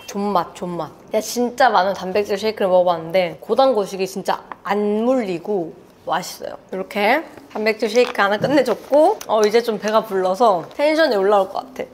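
A woman's voice: mid-range voice, fairly quick, hardly any pauses, a little hiss or hum. Chatty young woman vlogger. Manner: chatty, expressive, uses cute sound words. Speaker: beauty and fashion vlogger. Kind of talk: casual chat to camera, showing bag contents. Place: indoors, living room at home.

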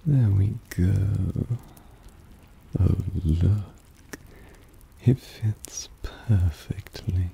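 A man playing a possessive, softly dominant vampire in an intimate ASMR roleplay, breathy and often half-whispered, teasing and coaxing. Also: sits low, drawn-out words, long pauses, slight background noise, exaggerated voice. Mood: teasing, doting. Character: possessive, softly dominant male vampire doting on his pet.

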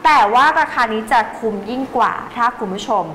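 A woman hosting a TV home shopping show, pitching skincare with brisk sales patter in a studio. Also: pushed and bright, big-room sound, slight background noise, poor audio. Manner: brisk selling patter, reads out prices and phone number.

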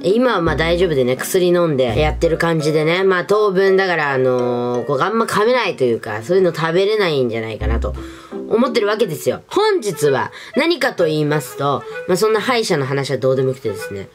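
A woman's voice: sits low, big pitch swings, quick pace. A young adult woman vlogging in a casual, chatty, informal way, talking to the camera in a small room. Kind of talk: casual chat to camera, product review. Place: small furnished room indoors. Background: background music.

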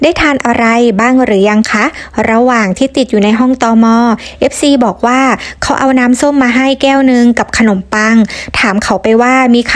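Polite woman channel admin narrating. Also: on the high side. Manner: polite, with frequent soft courtesy particles. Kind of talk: scripted narration of a viewer's story.

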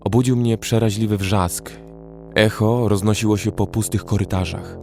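An actor narrating in first person as a young male survivor in a horror audio drama, with a measured storytelling delivery. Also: on the low side, steady tone, over loud music, close to an everyday voice.

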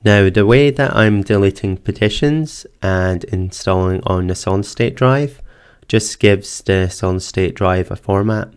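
A man narrating a screen-recorded computer tutorial, calmly explaining each step in order. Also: low voice, a little slow, clear, resonant tone. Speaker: tech tutorial presenter. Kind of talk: screen-recorded software walkthrough. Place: voice-over for screen capture.

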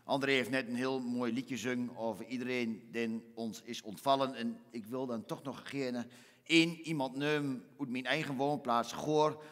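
A man's voice: medium pitch, fairly even intonation, normal speed, in a large hall. A man with a Twents accent performing a mock-solemn, exaggerated comic monologue on a theater stage. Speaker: comedian.

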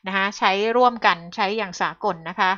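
Bright-voiced woman commentator, lo-fi sound. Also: mid-range voice, a little fast. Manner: polite particles, grows heated and emphatic. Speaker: political commentator. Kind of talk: talk show commentary.

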